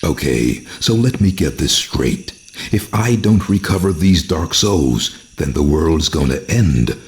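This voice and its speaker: A man's voice: rumbling low, animated, a little slow, a little mellow, slightly rough, full character voice. A male actor voicing a brooding, world-weary undead warrior in a video game, bitter and sardonic, with street-tough phrasing. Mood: bitter, resigned. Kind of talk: dramatic game cutscene acting. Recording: background music under the voice.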